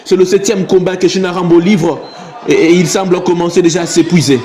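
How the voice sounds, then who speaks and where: A man's voice: sits high, fairly even intonation, brisk, crowd noise. A man with a Congolese French accent giving live play-by-play commentary of a wrestling match, repeating phrases and exclaiming.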